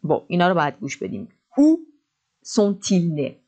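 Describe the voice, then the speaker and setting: A woman teaching an online French lesson, saying phrases slowly in French and then explaining them quickly in Persian. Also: fairly low pitch, big pitch swings, mellow.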